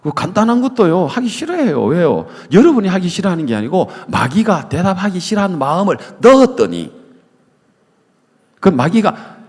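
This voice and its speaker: A male pastor giving an animated sermon at a summer retreat, quizzing the audience and acting out voices. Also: high voice, moderate pace, breathy edge. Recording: long reverb of a large hall.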